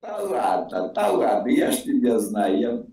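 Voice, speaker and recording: A man's voice: on the low side, very animated, a little slow, dark tone. Older man over a distant echoey call. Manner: blunt, mocking, swears. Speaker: video chat stranger. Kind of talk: casual argumentative chat. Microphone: remote video call audio.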